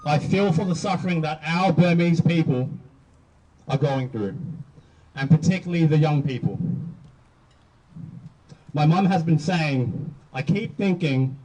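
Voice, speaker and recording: A man gives a measured public speech at an outdoor rally, phrasing in short deliberate clauses. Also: fairly high pitch, dark tone, muffled recording. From Australia. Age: 20s. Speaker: youth speaker at a rally. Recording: distant outdoor rally recording.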